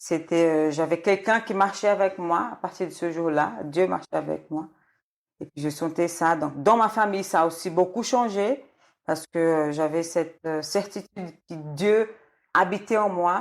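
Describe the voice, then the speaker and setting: Speaking fairly slowly with a Portuguese accent, a woman uses a fairly low pitch with ordinary variation. The recording is very clean, with a silent background. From Brazil, northeast (Recife). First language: Portuguese (speaking French). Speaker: churchgoer giving faith testimony. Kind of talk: testimony interview. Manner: hesitant, many fillers.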